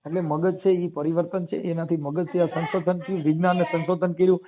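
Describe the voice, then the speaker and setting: Crowd noise sits behind a man whose voice is on the high side, brisk, with little pitch movement. He has a Saurashtra Gujarati accent and emphatically explains his opinions over the phone, asking rhetorical questions colloquially, in a muffled narrow-band telephone recording.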